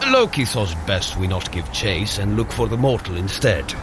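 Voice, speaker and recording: A man acts out a boisterous, open-hearted warrior god in a fantasy audio drama. His delivery swings with lively intonation and old-fashioned phrasing. There is clear outdoor noise behind him. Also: fairly low pitch, normal speed, lightly acted. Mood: candid. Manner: jovial, effusive, archaic turns of phrase. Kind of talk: scripted audio drama acting.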